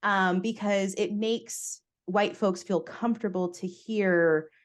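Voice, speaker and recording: A woman guest on a podcast, speaking candidly and with animation in a relaxed interview conversation, from the United States. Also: medium pitch, slow pace.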